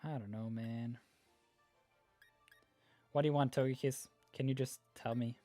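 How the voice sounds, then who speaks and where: A man's voice: mid-range voice, fairly even intonation, measured pace, warm tone, soft background music. Laid-back Norwegian-accented male streamer. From Norway. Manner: laid-back, rambling, many fillers. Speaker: livestream host. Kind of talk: casual live-stream chat reading viewer comments.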